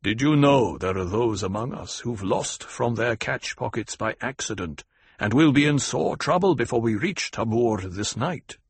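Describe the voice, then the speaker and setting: A man voicing a grave desert tribal leader, speaking low, slow and measured. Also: lively intonation, husky, dry recording.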